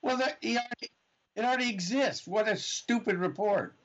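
A man's voice: high-pitched, expressive, brisk, fairly bright tone, highs cut off. A man co-hosting a radio talk show from a remote location, rambling with frequent restarts and fillers. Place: remote studio in Kamloops.

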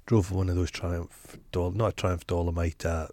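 A man's voice: low-pitched, level tone, moderate pace, dark tone. A Scottish man hosting a podcast, chatting casually in a blunt, opinionated way and swearing freely. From Scotland. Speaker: podcast host. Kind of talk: casual chat.

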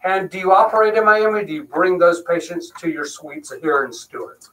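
A man's voice: high voice, normal speed, sharp tone, far from the mic, a little hiss or hum, rough recording. A man co-hosting an interview, asking questions and explaining terms for listeners. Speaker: co-host, doctor.

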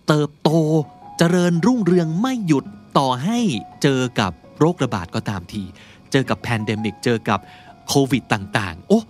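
A young man hosting a casual podcast lesson, chatty and patient, reading out English example sentences slowly. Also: medium pitch. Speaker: podcast host teaching English vocabulary.

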